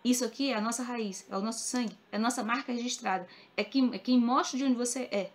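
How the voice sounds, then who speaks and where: A woman's voice: a little high, fast. A woman with a Northeastern Brazilian accent from Ceará, talking to camera as a crochet YouTuber in an earnest, emphatic way, repeating points to stress them. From Cariri region of Ceará, northeastern Brazil. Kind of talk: casual talk to the camera.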